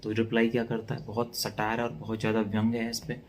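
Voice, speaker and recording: Male tutor, lowish voice, calm lecture pace, faint hiss behind. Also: fairly quick. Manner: mixes Hindi with English, talks calmly and softly. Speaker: teacher. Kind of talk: relaxed exam-prep lecture. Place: indoors at night.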